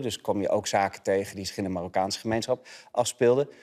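The speaker's pitch varies in an ordinary way against a quiet background. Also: man. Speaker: screenwriter and director. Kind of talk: casual chat. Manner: halting. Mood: thoughtful, somewhat dismayed. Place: studio.

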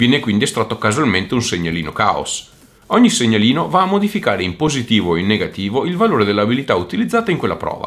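This speaker talks at a very fast pace. Their pitch makes very wide swings. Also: man. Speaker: board game reviewer. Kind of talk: review.

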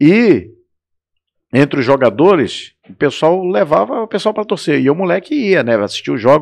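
Over a quiet background, a man with a fairly high voice and vocal fry speaks at a moderate pace, his pitch swinging very widely. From Belém, Pará, northern Brazil; Pará, Brazil. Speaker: football commentator and radio announcer; football commentator, radio announcer. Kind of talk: casual interview chat. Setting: studio. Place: studio. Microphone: studio mic.

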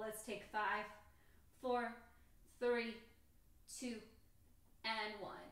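Audible room echo around a woman's fairly slow speech. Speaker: yoga instructor. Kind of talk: guided yoga class. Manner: calm, instructive. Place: home room. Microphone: camera far.

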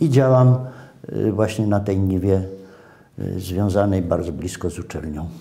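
A man talks in a very deep, low voice at a fairly slow pace. He leaves long, frequent pauses. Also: ordinary pitch variation. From Poland, Częstochowa. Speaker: retired university lecturer. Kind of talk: interview. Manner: halting. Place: studio. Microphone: lapel.

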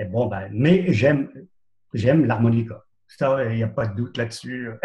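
A man speaks at a fairly slow pace in a dark, mellow tone. His voice is somewhat breathy, with ordinary pitch variation. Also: quiet background. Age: 70s. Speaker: harmonica student. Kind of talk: casual self-introduction. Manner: halting, many hesitations. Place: home room. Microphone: video call.

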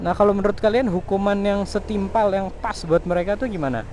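A man talks at a fairly quick pace. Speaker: motovlogger. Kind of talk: vlog monologue while riding. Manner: casual slangy.

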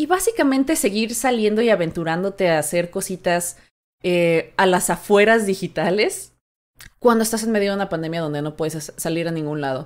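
A woman at a medium pitch with lively intonation at a moderate pace, on a very clean recording with a silent background. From Mexico City. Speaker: game producer and streamer. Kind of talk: casual chat.

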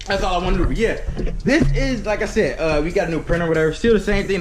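A man speaks with clear music in the background. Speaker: vlogger giving a house tour. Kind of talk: casual vlog chat. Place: home room. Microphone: phone near.

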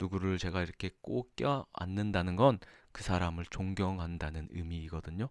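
Very deep, low pitch marks this man's voice, with ordinary pitch variation at a moderate pace. The recording is very clean, the background silent. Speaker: vlogger, office worker in Japan. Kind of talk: casual vlog monologue.

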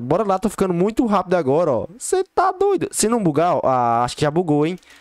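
A man talks at a very fast pace and high pitch. The sound is dry and close, with no echo. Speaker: gaming YouTuber. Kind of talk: gameplay commentary. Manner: animated.

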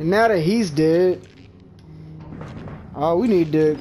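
Over noticeable background noise, a man with a high voice speaks at a fairly slow pace with ordinary pitch variation. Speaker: gaming commentator. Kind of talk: casual gameplay commentary. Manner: casual, profane, talkative.

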